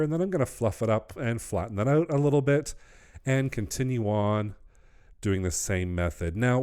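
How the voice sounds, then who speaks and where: A fairly low, darkish male voice carries this craft tutorial voice-over. The speaker, a middle-aged man who runs a wreath-making channel, gives upbeat instructions for each stage of the process.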